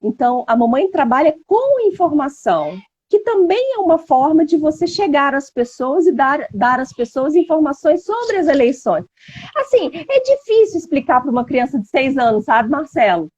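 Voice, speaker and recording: A woman's voice: sits high, normal speed, no echo. Woman on a live video chat, bouncy up and down voice, kinda dry and muffled. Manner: animated, acts out talks with her daughter. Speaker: guest. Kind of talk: casual live-stream chat.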